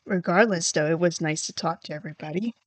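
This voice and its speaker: A woman with a lowish voice talks casually on a livestream, rambling and poking fun at herself as she thinks aloud. Her voice is starting to tire. The sound is dry and close, with no room around it. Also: quick pace, no room sound. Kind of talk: casual livestream chat while coding.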